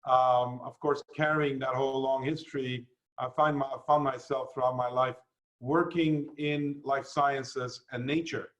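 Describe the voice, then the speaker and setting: Man giving a formal speech; measured, explains carefully, mid-range voice. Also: medium pitch, steady tone, fairly bright tone, lo-fi sound. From Canada and the United States. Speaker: guest speaker. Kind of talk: formal address.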